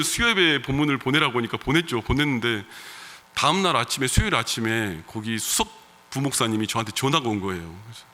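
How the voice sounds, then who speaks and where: Korean pastor preaching, bright voice in reverb. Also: male voice, medium pitch. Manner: animated preaching, swinging between loud emphatic calls and quiet storytelling. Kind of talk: sermon. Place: church sanctuary. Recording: long reverb of a church hall.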